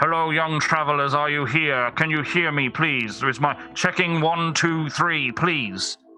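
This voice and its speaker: Putting on a character voice, the man keeps a fairly slow pace at a fairly high pitch and hardly pauses. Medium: actual play. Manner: formal, stilted.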